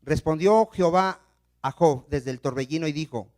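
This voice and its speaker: A male pastor preaching a sermon, asking the congregation questions and letting them finish his sentences, moving between loud emphasis and hushed asides. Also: on the high side, normal speed. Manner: call-and-response questions to the congregation.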